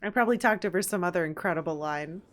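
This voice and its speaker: A woman streamer giving casual live let's-play commentary, reacting aloud to the game with excitement. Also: lowish voice, quick pace. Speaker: streamer playing a video game.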